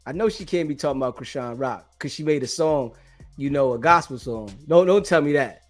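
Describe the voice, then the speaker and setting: A man with a high voice hosts a heated call-in show over faint music. He is brash and dismissive, cursing freely as he pushes back in the debate. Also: a little fast. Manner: brash, combative, profane, dismissive. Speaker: talk show host.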